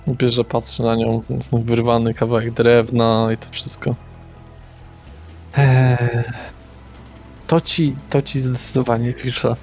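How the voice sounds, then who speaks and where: A man's voice: mid-range voice, level tone, slow, pauses often, a little mellow, faint music behind. A man speaking in character in a tabletop roleplaying game, casual and rambling. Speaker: player.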